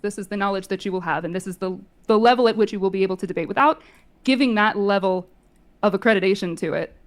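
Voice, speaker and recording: Measured, critical female debater. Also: medium pitch. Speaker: debate opponent. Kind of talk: argumentative online debate.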